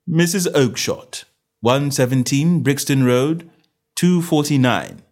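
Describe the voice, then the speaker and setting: A man voicing a shrewd gentleman detective in a story reading, self-assured and genteel with a careless, goading manner. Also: medium pitch, sing-song, slow, pitched above the performer's own voice.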